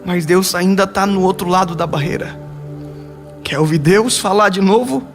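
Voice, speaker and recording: A young man preaching in Brazilian Portuguese, telling a story and swinging from rising emphasis to low, hushed lines. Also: moderate pace, soft background music. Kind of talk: sermon with a story.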